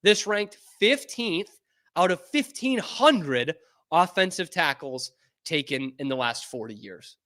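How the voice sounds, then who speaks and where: A man from New England hosting a sports show, talking casually and getting excitable and profane. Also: on the high side, takes it slowly.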